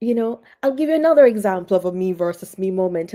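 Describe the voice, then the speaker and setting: A woman with a Jamaican accent has a dark, mellow tone and lively intonation. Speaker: motivational speaker. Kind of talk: interview.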